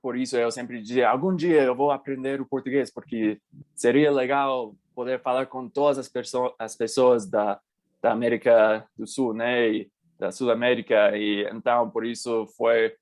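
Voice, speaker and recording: Guest voice: American man, native English speaker, mid-pitched, halting second-language delivery. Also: fairly even intonation, darkish tone. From United States. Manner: halting, restarts words while searching. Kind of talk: casual interview.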